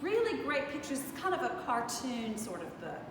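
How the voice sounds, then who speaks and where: Middle aged lady chatting to kids about a book, highish lively voice, big echoey church w rumbly noise. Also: normal speed, far from the mic. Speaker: storytime host. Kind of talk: casual introduction of a children's book. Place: standing in a large empty stone church. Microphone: distant camera.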